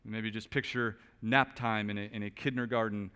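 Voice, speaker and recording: A man preaching a sermon, asking rhetorical questions and swinging between quiet, low stretches and loud, emphatic bursts. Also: fairly even intonation, moderate pace, smooth. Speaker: pastor. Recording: long reverb of a large hall.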